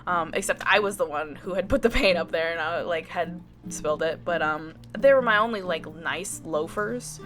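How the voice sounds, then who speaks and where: In a storytime vlog with background music, an artist vlogger with a lowish voice describes her day at a moderate pace. She leans heavily on "like," makes small restarts and animatedly mimics the people in her story.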